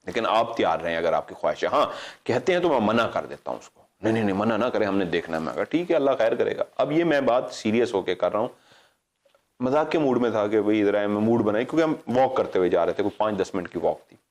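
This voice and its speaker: A man's voice: on the low side, fast talker. A middle-aged man, casually telling a story as a paranormal show host, acting out the dialogue and stopping to correct himself. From Pakistan. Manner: animated, acts out quoted dialogue, digresses and corrects himself.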